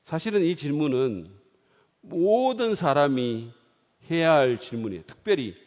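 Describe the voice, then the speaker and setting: Middle-aged male pastor, dramatic sermon, very animated, long church reverb. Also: on the high side, unhurried. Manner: dramatic, swings from hushed to shouting. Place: church sanctuary.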